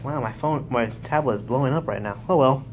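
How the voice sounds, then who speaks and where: A man's voice: mid-range voice, fairly quick, noisy background. A young man casually recapping a wrestling show live, rambling and correcting himself as he goes. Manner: rambling, self-correcting, excitable.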